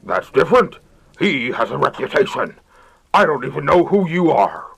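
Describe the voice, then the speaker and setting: A man playing a blustery city mayor with a brisk official manner in a comedic radio drama. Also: a little high, sing-song, vocal fry, fairly bright tone, husky, full character voice. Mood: dismissive. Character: blustery, easily cowed male city mayor. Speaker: voice actor. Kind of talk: comedic old-time radio drama acting.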